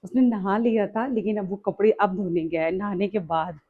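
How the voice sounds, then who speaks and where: A woman's voice: mid-range voice, fairly even intonation, normal speed, phone-quality sound. A young woman narrating a casual home vlog to her viewers, chatty and laughing often. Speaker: family vlogger. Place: home kitchen and house. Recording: noisy home phone recording.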